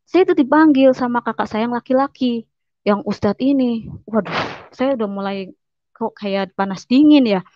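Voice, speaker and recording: A woman's voice: on the high side, a little mellow, no room sound, highs cut off. A woman giving a personal testimony, telling her story earnestly and often repeating words as she goes.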